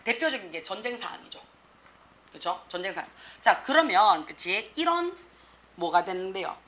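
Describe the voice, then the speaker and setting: A woman English teacher giving an exam prep lecture, lively and slangy, peppering students with rhetorical questions. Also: mid-range voice, moderate pace. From South Korea.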